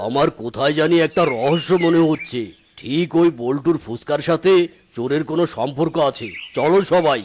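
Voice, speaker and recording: A man's voice: a little high, a little fast, a little hiss or hum, close to an everyday voice. A man voicing a stern, bossy tiger uncle who acts as judge in a cartoon. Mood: interrogating. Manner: commanding, interrogating. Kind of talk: cartoon voice acting.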